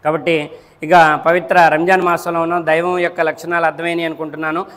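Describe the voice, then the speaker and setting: A man's voice: fairly high pitch, flat delivery, fast, fairly bright tone. A man giving a Friday sermon as a preacher, asking rhetorical questions, checking that his listeners follow, repeating and counting off his points. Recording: long echo of a large hall.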